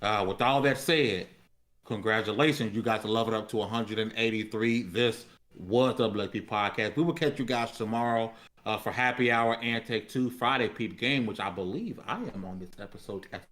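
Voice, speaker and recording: A man's voice: on the low side, moderate pace, a bit bright. A man co-hosting a gaming podcast, talking in casual, slangy banter. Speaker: podcast co-host.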